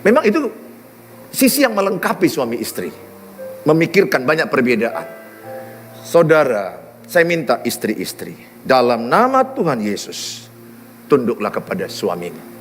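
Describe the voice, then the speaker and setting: A man's voice: medium pitch, a little slow, long pauses, in a large hall, soft background music. A middle-aged man preaching a sermon, telling stories with humor. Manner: animated, humorous storytelling. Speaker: pastor. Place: large church hall.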